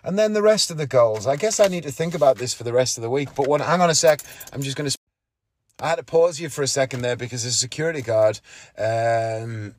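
A man's voice: mid-range voice, fairly quick. A man, talking casually and candidly on his solo podcast from inside a parked car, often correcting himself. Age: 30s. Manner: rambling, candid, self-correcting. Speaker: podcast host, magician.

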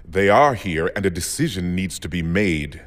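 An actor playing a stern, decisive fleet admiral in a science fiction audio drama, with clipped, formal authority. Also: male voice, deep voice, expressive, normal speed. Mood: grave, resolute. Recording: long echo of a large hall.

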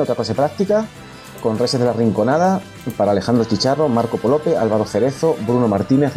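A man with a warm, relaxed voice reads out a long list of events and names on a talk show. He pauses on filler sounds between items. Faint music plays underneath. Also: medium pitch. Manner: lists names steadily with hesitations. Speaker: bullfighting agenda presenter.

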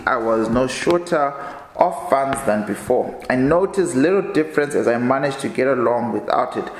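A man reads a book aloud for his podcast in a tired, low-key way, tripping over words and starting them again before slipping into casual remarks. His voice sits at an ordinary middle pitch. The room around him is noticeably echoey. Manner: halting reading, often stumbles and restarts words. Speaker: podcast host.

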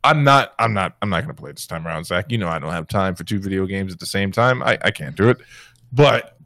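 A man's voice: sits low, lively intonation, fast talker, a bit bright, no room sound, clean studio sound. A man co-hosting a casual gaming chat, teasing his partner and laughing often. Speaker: podcast co-host.

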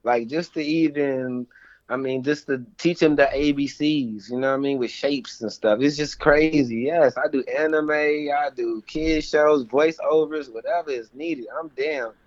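A man's voice: a little high, a little slow, dry recording, highs cut off. A man with a Kentucky accent, a guest chatting in a laid-back, slangy and enthusiastic way. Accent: Kentucky Southern. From Louisville, Kentucky. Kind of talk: casual interview chat.

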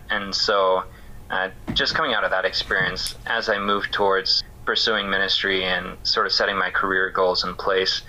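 A man talking as an interview guest about his work, thoughtful and halting with many fillers. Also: sits low, pushed and bright, low-quality recording. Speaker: interview guest, missions care worker. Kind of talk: casual reflective interview talk.

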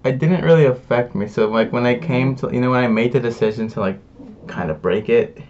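Young male vlogger, relaxed rambling delivery heavy on fillers and slang; distant, slightly dull recording. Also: medium pitch, brisk. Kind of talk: casual confessional chat.

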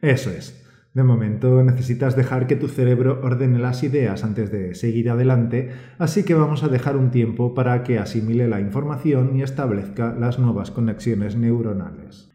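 Mellow Spanish man explaining grammar. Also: medium pitch, moderate pace. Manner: calm, explanatory delivery, encouraging the listener. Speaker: podcast co-host and Spanish teacher. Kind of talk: scripted teaching podcast. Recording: roomy echo.

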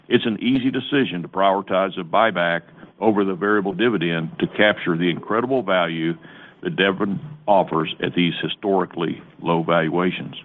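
Low-voiced man on a phone line. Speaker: company executive presenting results. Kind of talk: scripted earnings call presentation. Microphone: conference call phone line. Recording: tinny narrow-band phone line.

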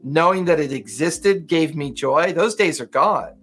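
A man in his fifties from Southern California co-hosts a podcast in a casual, reflective, rambling chat with plenty of fillers. His voice is a little high, husky, and fairly bright, and he speaks a little slowly. Soft music plays in the background.

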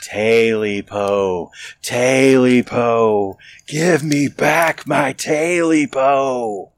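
A man voicing a short, stubby, clawed creature that chants slowly in a hissing, drawn-out voice. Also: medium pitch, no echo, voice pushed up. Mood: eerie.

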